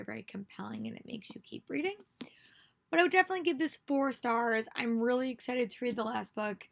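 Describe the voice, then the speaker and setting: A young woman with a hoarse voice, a teacher chatting casually to camera in a reading vlog, rambling with many "um"s and "really"s. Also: fairly high pitch, a little hiss or hum. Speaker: book vlogger and teacher.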